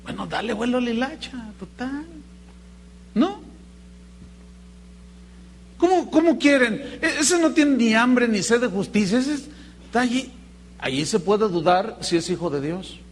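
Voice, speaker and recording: A male pastor preaches in an animated storytelling manner. His voice sits fairly high, and he slips into other people's voices when he quotes them. A faint hum runs under the recording. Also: unhurried, pauses often. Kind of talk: sermon with acted anecdotes.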